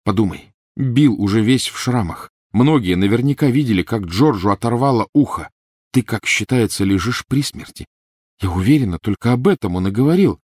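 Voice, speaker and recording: A man's voice: mid-range voice, expressive, normal speed, darkish tone, no echo, clean studio sound, pitched above the performer's own voice, natural voice. Hermione, a man voicing a pleading teenage girl. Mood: soothing. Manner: pleading, thin-voiced.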